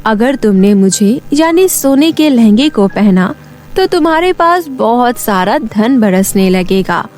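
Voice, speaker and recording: A woman's voice: a little high, expressive, slow, a little mellow, faint music behind. A woman voicing a helpful, reassuring enchanted talking garment in a fairy tale. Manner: reassuring, explanatory. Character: helpful talking magic skirts of gold and silver.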